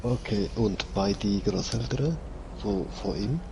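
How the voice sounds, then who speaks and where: A man's voice: lowish voice, takes it slowly, warm tone, a little hiss or hum. A man chatting casually as a companion on a game stream, asking short questions. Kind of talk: casual chat.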